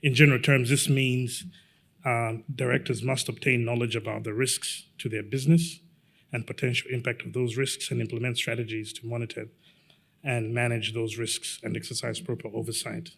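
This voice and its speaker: A middle-aged man from Zambia giving a measured, halting conference presentation as a lawyer, with frequent fillers. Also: medium pitch, flat delivery, vocal fry, a bit bright.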